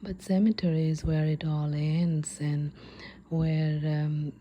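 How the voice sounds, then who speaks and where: Slow, whispering woman telling an ASMR story. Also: low-pitched, flat delivery, slight background noise. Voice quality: breathy, unvoiced whisper. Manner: hushed, halting delivery with frequent pauses.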